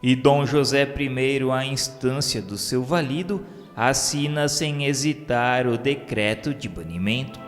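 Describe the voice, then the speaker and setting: Slow, reverberant Brazilian male narrator. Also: medium pitch. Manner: measured, formal, literary delivery. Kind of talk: solemn scripted narration of a religious radio novela. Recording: long reverb with music bed. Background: music.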